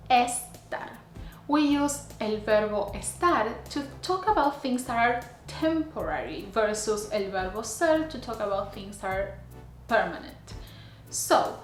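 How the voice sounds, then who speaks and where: A slightly high-voiced woman in her thirties gives a lesson to camera, slowing down for each example phrase. She speaks clearly and deliberately. The small room sounds echoey, with faint music underneath. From Argentina. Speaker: Spanish teacher. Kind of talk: scripted language lesson to camera. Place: small indoor room before a plain grey wall. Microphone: camera framed head and shoulders.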